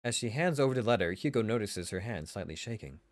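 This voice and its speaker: A man's voice: lowish voice, lively intonation, quick pace. A man narrating a visual novel aloud in an informal way, correcting himself as he reads.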